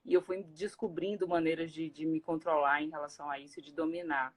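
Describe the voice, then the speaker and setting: A woman from Recife, a guest speaker talking casually in a live interview, animated and quick to laugh, with many fillers and restarts. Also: low voice. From Recife, Brazil.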